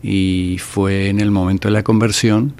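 A man's voice: fairly low pitch, level tone, unhurried, a little mellow. An older man with an Argentine accent, a ministry director giving a radio interview, speaking hesitantly with many fillers and restarts. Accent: Argentine Spanish. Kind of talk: radio interview, relaxed storytelling.

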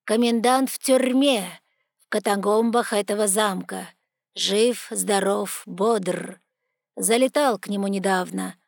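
A woman voicing a proud, sardonic male talking raven with a hoarse, croaking voice and a slow, cold, mocking manner. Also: mid-range voice, dry recording, studio quality. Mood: curt, aloof. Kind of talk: audiobook character voice.

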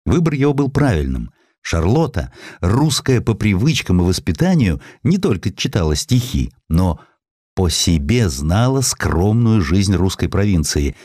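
Male audiobook narrator, deep and lively, voices the dialogue, studio-dry. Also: no echo. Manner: expressive reading, voices characters in quoted lines. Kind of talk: audiobook narration of a historical essay with acted dialogue.

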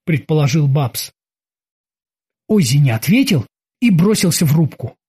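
A man with a husky voice reading an audiobook as an animated storyteller. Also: a little high, unhurried. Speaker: narrator. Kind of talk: audiobook narration.

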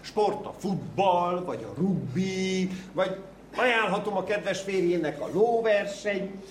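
An actor playing a glib, fast-talking gentleman caller in an old radio cabaret sketch, smooth-talking and evasive. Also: high voice, lightly acted. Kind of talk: 1930s radio cabaret acting. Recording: echoey, hissy old radio recording.

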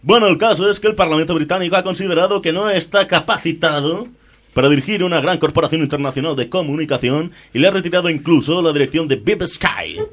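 A man hosting a comedy show, delivering satirical news commentary in a sardonic, deadpan way. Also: fairly high pitch, fast. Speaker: host.

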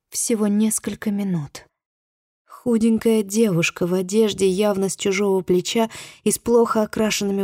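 A woman narrating a novel in the first person with a tense, expressive reading. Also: mid-range voice, no echo, studio quality. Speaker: audiobook narrator.

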